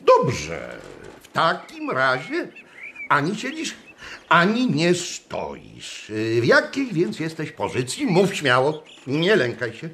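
Radio play schoolmaster: pompous, callously strict, bright high voice, unhurried. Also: male voice, wildly swooping pitch, slight background noise, exaggerated voice. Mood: pedantic quizzing. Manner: pedantic, lecturing, theatrical. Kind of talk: radio drama acting.

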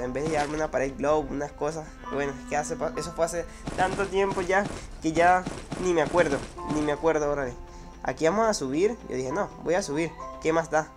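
A young man with a Mexican accent, giving excited, slangy commentary over his own gameplay. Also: fairly high pitch. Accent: Mexican Spanish. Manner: swings from hushed to shouting, slangy. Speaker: gaming youtuber.

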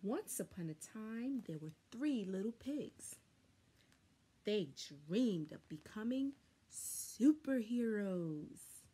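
A young adult woman reading a children's story aloud expressively, with deliberate, dramatic emphasis, recorded indoors on a camera a short distance away. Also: mid-range voice, expressive, mellow, breathy edge. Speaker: storybook reader. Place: small furnished room indoors.

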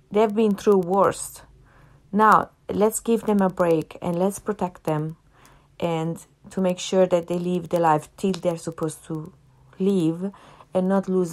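A woman with an Italian accent hosting a solo podcast, talking earnestly and repeating phrases for emphasis. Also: fairly low pitch. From half Italian, family in Italy. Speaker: podcast host.

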